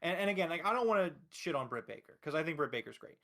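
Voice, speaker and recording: A man's voice: on the high side, big pitch swings, fast talker, creaky, bright, forceful tone. A man hosting a podcast, talking casually and emphatically about wrestling with strong opinions and frequent swearing. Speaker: podcast host.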